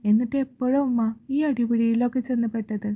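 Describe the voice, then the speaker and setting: A woman's voice: fairly high pitch, fairly even intonation, fairly quick, mellow, lightly acted. A woman voicing a kind young friend. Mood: gentle.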